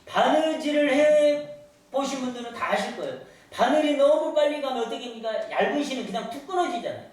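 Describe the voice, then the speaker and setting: A male pastor preaching a sermon to his congregation, telling stories and asking them questions. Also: very high-pitched. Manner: storytelling with rhetorical questions to the congregation. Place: large church sanctuary. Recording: echoey church hall, voice from far off.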